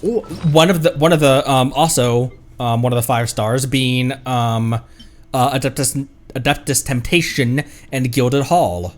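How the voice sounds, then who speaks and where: A streamer giving casual, excitable live commentary on a game, exclaiming and often repeating phrases. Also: mid-range voice, a little slow. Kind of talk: casual gameplay livestream commentary. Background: video game music.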